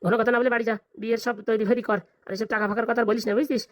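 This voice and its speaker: Woman playing a fast, blunt old village grandpa. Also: fairly high pitch, flat delivery, natural voice. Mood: stern, bossy. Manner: scolding, blunt, colloquial. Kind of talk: comic cartoon dialogue.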